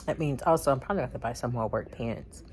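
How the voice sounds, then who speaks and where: A woman's voice: very deep voice, racing, a little hiss or hum. A woman chatting casually in a vlog, laughing often and acting out bits of her story. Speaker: vlogger.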